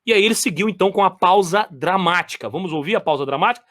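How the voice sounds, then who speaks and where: A man reacts to lecture clips, addressing his viewers directly. His voice sits high and swings widely as he stresses and repeats phrases. The sound is dry and close, with no room around it. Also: lively intonation, fast talker, fairly bright tone, no room sound. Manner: emphatic, repeats phrases, talks straight to viewers. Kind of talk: commentary on replayed lecture clips.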